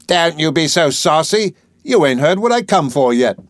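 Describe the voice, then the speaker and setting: A man's voice: a little high, big pitch swings, normal speed, dry recording, studio quality, voice pushed up. A man doing a saucy flower girl. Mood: defiant. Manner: saucy, defiant. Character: young woman, cockney flower girl, proud and touchy.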